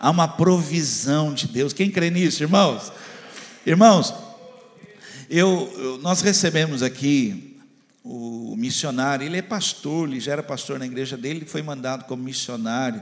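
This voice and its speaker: A man with a fairly high pitch and lively intonation speaks at a fairly slow pace, his loudness swinging widely. The recording has audible room echo and noticeable background noise. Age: 50s. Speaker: pastor. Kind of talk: sermon. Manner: animated.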